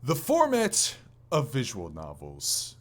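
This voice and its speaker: A man's voice: medium pitch, huge pitch swings, slow. A man co-hosting a podcast, chatting casually about video games in a rambling, conversational way. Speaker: podcast co-host.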